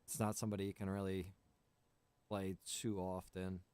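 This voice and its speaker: A man's voice: low voice, level tone, moderate pace, darkish tone, clear, resonant tone, no room sound. A man chatting casually on a game livestream, explaining things in a rambling, informal way as he addresses his viewers. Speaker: game livestreamer and roleplay server organizer.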